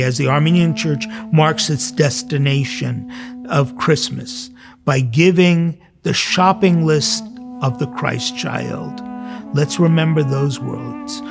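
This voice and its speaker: Gravelly older man, preaching through stories. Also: on the high side. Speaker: priest and host of a religious program. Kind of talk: conversational sermon with personal storytelling.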